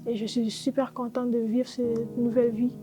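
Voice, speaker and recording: A woman's voice: on the high side, flat delivery, normal speed, over music. An eighteen-year-old woman from Congo giving an earnest, grateful documentary testimony. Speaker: interviewee.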